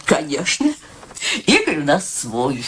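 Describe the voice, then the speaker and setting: Matchmaking older mother, gushing, very animated intonation, radio drama, faint noise. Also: low voice, slow pace, heavily acted. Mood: eager, insistent. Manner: gushing, insistent. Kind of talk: radio play acting.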